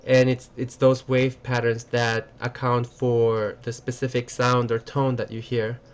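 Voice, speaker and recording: A man giving a recorded lecture, halting and full of fillers and restarts. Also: medium pitch, little pitch movement, clear, resonant tone.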